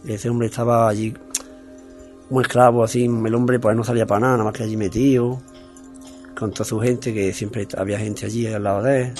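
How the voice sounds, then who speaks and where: A man's voice: lowish voice, flat delivery, a little fast, darkish tone, soft background music. A man, speaking as an interview guest in an earnest, plain-spoken, repetitive way. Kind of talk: earnest personal testimony.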